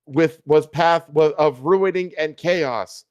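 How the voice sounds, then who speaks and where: A swaggering male cartoon cat hero, acted out by a man reading a story. He is smug, seductive and grandly righteous. The voice sits a bit high for a male and is recorded close and dry. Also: takes it slowly, a little mellow, clear, resonant tone, no room sound. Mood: cool, lecturing.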